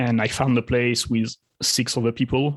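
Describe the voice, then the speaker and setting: A man's medium-pitched voice with a French accent, monotone and flat, in a dry, close sound with no echo. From southern France. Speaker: podcast guest. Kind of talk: interview storytelling.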